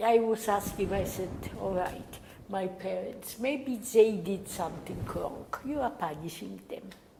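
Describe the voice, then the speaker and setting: A woman speaks at a fairly slow pace and medium pitch with ordinary pitch variation, and audible room echo surrounds her voice. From Poland, Lublin. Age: 90s. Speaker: Holocaust survivor. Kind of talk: testimony interview.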